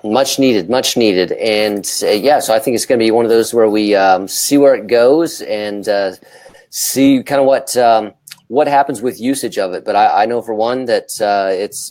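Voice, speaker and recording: A man co-hosting a casual panel discussion, talking in a halting way and often repeating words as he goes. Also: fairly low pitch, darkish tone, no room sound. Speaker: talk show co-host.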